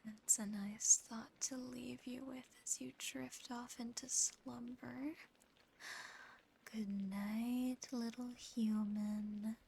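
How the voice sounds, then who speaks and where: Woman playing possessive, tender female demon for ASMR roleplay: very slow, close intimate whisper, soothing and gently teasing, background noise. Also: fairly high pitch, steady tone, gravelly, rough recording. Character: affectionate, possessive female sleep paralysis demon.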